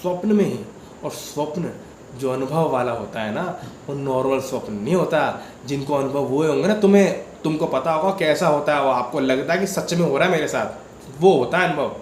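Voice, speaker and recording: Man, devotional storyteller, slightly high voice, chatty and repetitive with questions to listeners; roomy echo on the recording. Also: fairly quick, a little hiss or hum. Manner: conversational, repeats words, asks listeners questions. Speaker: devotional channel host. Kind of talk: casual retelling of a viewer's dream experience.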